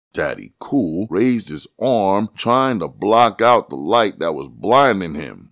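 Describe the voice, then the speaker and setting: On a very clean recording with a silent background, a man with a fairly low pitch and vocal fry speaks at a very slow pace with hardly any pauses, lively intonation, and big swings in loudness. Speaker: voice actor. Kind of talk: novel narration.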